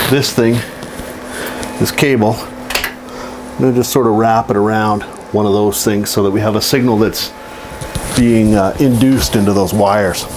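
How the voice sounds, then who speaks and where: Low-voiced man over background hum. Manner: halting, thinking aloud while working. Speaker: electronics hobbyist presenting a how-to. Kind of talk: informal hands-on demonstration. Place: indoors, home office. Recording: hissy air-conditioner hum, amateur audio.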